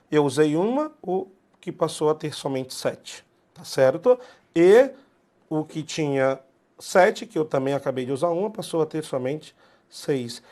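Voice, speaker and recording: A man with a Brazilian Portuguese accent leads a recorded exam-prep math lesson. His voice sits fairly high and swings widely in pitch. He talks bluntly and with emphasis, drops slang and says key points again and again. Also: darkish tone. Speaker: math teacher.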